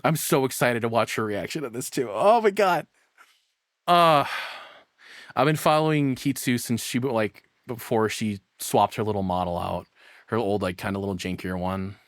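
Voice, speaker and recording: Excitable, rambling man reacting on stream. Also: mid-range voice, normal speed, no room sound, clean studio sound. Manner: rambling, excitable, casually profane. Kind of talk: casual live reaction commentary.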